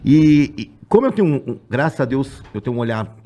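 A man's voice: mid-range voice, very animated, fairly quick, warm tone, dull audio. A middle-aged man from Brazil, a podcast guest talking in a reflective, rambling way with many fillers. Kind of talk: casual chat.

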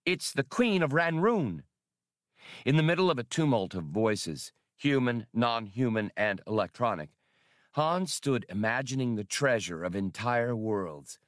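A man reading scripted adventure fiction as an audiobook narrator, in a measured, dramatic storytelling manner. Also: lowish voice, animated, no room sound, clean studio sound.

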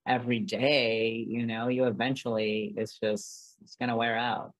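Guest, halting and dry. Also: mid-range voice, flat delivery, no echo, rough recording. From Brazil. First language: Portuguese. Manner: rambling, many "like" fillers and restarts. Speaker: podcast guest, artist. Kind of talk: casual interview chat.

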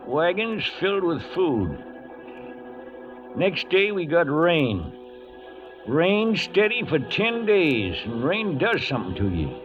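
Folksy old cowboy storyteller, unhurried and drawling, higher-pitched, vintage radio western. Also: male voice, big pitch swings. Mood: weary, foreboding. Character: folksy old trail hand narrating the cattle drive. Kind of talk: 1940s radio drama narration. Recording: muffled old radio, loud music behind.

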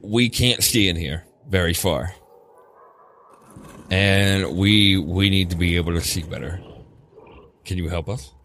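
A man's voice: deep voice, unhurried, pauses often, fairly bright tone, slight background noise. A man playing in a tabletop game, talking in a hesitant, cautious way. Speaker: player. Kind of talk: casual chat at a game table.

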